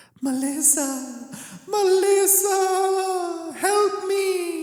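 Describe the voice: A put-on character voice at an extremely high pitch, very slow, with clear echo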